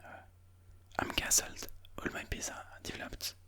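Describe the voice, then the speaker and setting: A person whispering breathily in an ASMR style, musing aloud move by move as they comment on their own chess game. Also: unhurried.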